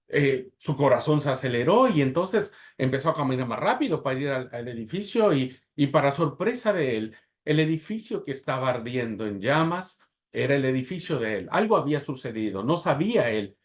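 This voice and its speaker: A man teaching a class on expository preaching, telling a story dramatically with pauses and swings in loudness, then putting questions to the class. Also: mid-range voice, expressive. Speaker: preaching instructor.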